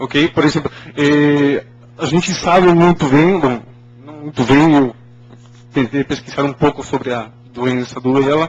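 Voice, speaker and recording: At a fairly slow pace, a man with a fairly high pitch speaks with fairly even intonation and long, frequent pauses. Noticeable background noise runs throughout. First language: Spanish (speaking Portuguese). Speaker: engineering PhD student, speaker. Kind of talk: lecture. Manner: halting, many fillers.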